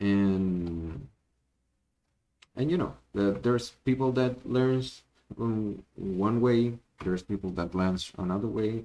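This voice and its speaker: With a Spanish accent, a man speaks at a very slow pace with long, frequent pauses, his dark, mellow tone set at a fairly low pitch with ordinary pitch variation. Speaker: 3D modeling tutorial creator. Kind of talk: live stream Q&A. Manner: halting, many fillers and repetitions.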